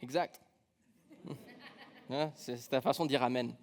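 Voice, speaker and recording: A man's voice: mid-range voice, measured pace. A man with an accent from France, preaching a conversational sermon in a church, casual and humorous, telling personal stories with many fillers. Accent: French from France. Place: church sanctuary.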